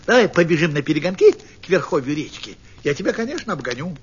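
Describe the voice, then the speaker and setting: A man's voice: fairly high pitch, sing-song, fast, muffled recording, slight background noise. A man voicing a sly, boastful female fox in a folk tale, speaking in a mocking, scheming way.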